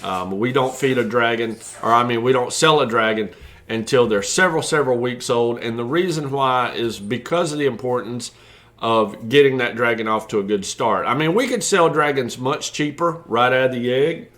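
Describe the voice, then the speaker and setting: A man's voice: medium pitch, normal speed, fairly bright tone. A man who breeds reptiles, explaining care tips in a casual, folksy way with many fillers.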